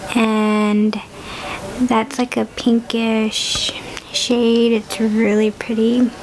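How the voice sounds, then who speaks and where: Over noticeable background noise, the speaker talks at a very slow pace in a monotone, flat intonation. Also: woman, fairly high pitch for a woman. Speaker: makeup tutorial creator. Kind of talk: casual makeup tutorial talk.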